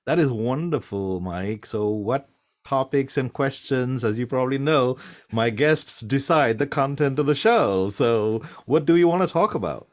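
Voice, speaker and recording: A man's voice: mid-range voice, lively intonation, unhurried. A man hosting an interview show over a video call, welcoming guests with enthusiastic introductions. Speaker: host.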